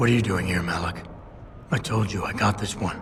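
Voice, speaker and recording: Putting on a character voice, a man speaks raspy and calm at a fairly quick pace and fairly low pitch over clear background noise. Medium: video game. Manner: terse, dry, calm.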